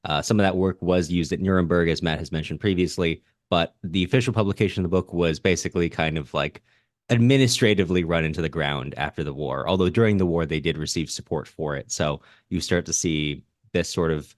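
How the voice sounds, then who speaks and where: A man's voice: sits low, a little fast, dry recording, clean studio sound. A man co-hosting a literary podcast, explaining things informally with hesitant, self-correcting phrasing. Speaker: podcast co-host. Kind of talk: casual literary discussion podcast.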